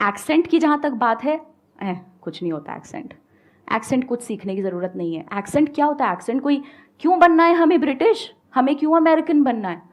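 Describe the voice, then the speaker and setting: A woman's voice: sits high, a little fast, a little hiss or hum. A woman with an Indian accent, chatting on a talk show about learning English and mixing Hindi with English. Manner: lively, mixes Hindi and English. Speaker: English teacher. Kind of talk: casual talk show chat.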